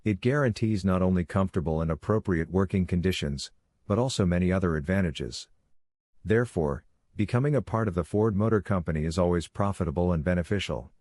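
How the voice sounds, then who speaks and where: A man's voice: sits low, a little fast, darkish tone, dry recording, clean studio sound. A man reading a scripted passage aloud for exam practice.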